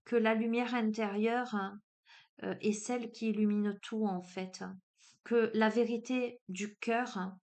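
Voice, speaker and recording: A woman with a southern French accent, giving a spiritual card reading. She talks hesitantly with many fillers, then turns emphatic. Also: mid-range voice. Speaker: oracle card reader.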